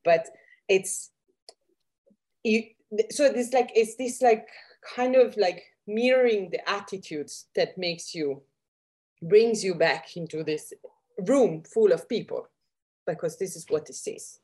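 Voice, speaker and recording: A woman's voice: mid-range voice, slow pace, a little mellow. A woman speaking as a podcast guest in casual discussion, searching for words with many fillers and restarts. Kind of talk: conversational discussion.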